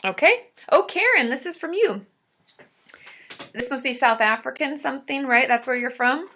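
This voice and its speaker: A woman's voice: high voice, expressive, moderate pace, bright, forceful tone, slight background noise. A woman therapist hosting a live Q&A stream, chatting casually, laughing often and poking fun at herself.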